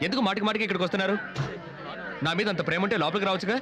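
Guy playing a slippery jailbird con man, high quick voice, sarcastic. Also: a crowd in the background, lightly acted. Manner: sly, sarcastic, wheedling. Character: small-time jailed con man, wily and sly. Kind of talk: Telugu film comedy acting.

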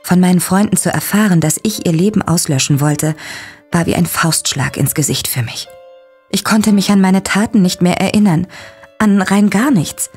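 First-person audio drama narrator, a young woman voiced by a woman, tense and breathy; music in the background. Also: on the low side, moderate pace, a little mellow. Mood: shaken. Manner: dramatic, breathy, dropping to whispers. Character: young woman recounting a shocking discovery.

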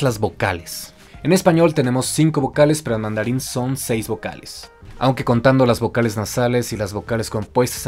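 A man giving a scripted, clear explanatory narration for a language lesson, walking through examples one by one. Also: mid-range voice. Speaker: language teacher. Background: faint music.

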